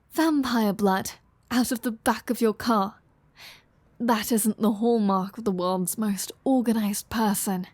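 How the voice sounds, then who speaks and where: Slow-talking teasing vampire woman, acted by a woman. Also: fairly high pitch, darkish tone, no echo. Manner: teasing, dry, sarcastic. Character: flirty, teasing female vampire, sardonic and playful. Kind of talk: audio roleplay addressed to the listener.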